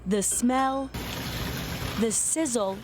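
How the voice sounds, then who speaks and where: American female TV news reporter, higher register, scripted story narration, slight noise underneath. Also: drawn-out words.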